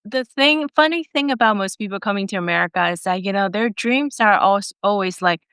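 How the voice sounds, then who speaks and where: A woman's voice: mid-range voice, a little fast, a bit bright, clean tone, dry recording, studio quality. A woman in her forties who grew up in Taiwan, telling her life story as a podcast guest in an earnest, reflective way. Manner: earnest and reflective, with fillers and restarts. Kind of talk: conversational interview storytelling.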